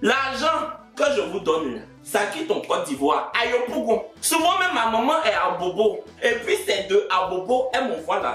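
Speaking with an Ivorian accent, a man with an extremely high pitch makes very wide pitch swings, with audible room echo and faint music in the background. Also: fairly slow pace. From Ivory Coast. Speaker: vlogger. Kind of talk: casual vlog storytelling. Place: home room. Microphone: phone near.

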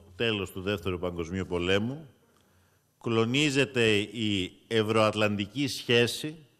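Against a quiet background, a man speaks very slowly at a fairly low pitch with ordinary pitch variation. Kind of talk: formal political speech. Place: hall. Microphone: podium.

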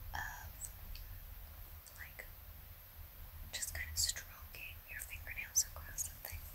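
A woman speaks at an extremely high pitch with fairly even intonation, taking long, frequent pauses over light background noise. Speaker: ASMR creator. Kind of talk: ASMR whisper video talking to camera. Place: home room.

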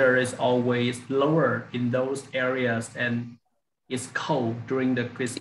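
A man's somewhat breathy, medium-pitched voice, very slow and monotone with flat intonation, with audible room echo and light background noise. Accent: Vietnamese. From Vietnam. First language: Vietnamese. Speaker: class organizer and interpreter. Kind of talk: online conversation class. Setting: video call. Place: home room. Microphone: video call.

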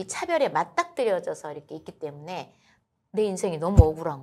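With a Jeolla accent, a woman speaks in an animated tone full of very wide pitch swings. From South Jeolla, Korea (Muan); South Jeolla, Korea. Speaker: election candidate. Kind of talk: interview. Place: studio. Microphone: lapel.

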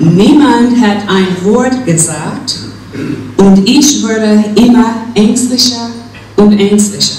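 A woman's fairly high voice at a very slow pace with long, frequent pauses, in audible room echo. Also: ordinary pitch variation. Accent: non-native. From English-speaking country, not Germany. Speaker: author. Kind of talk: book presentation speech. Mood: earnest, emotional story. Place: hall.

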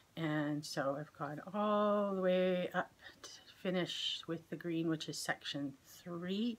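A woman speaks at a very slow pace with a fairly low pitch and ordinary pitch variation. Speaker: knitting video podcaster. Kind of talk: casual show-and-tell monologue. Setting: home video recording. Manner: hesitant, many fillers. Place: home room. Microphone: webcam.

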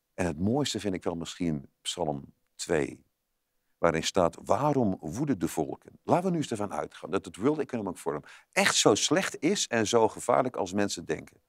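A man at a moderate pace with a fairly low pitch and very wide pitch swings, in a dry sound with no echo and a quiet background. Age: old. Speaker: pastor; pastor guest. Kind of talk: interview. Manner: halting. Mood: earnest, engaged. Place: studio. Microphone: lapel.

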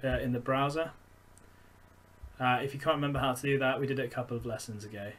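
Intonation is monotone and flat as the man speaks. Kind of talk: tutorial. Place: home room. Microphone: webcam.

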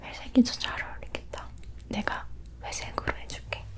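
A woman's soft-spoken whisper in a gentle tone at a moderate pace, with noticeable background noise. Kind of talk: soft-spoken ASMR roleplay. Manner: soft ASMR whisper, intimate and gentle. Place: home room.

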